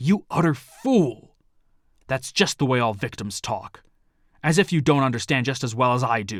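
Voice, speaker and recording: A put-on character voice growls along at a moderate pace. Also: man, medium pitch for a man. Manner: urgent, scornful.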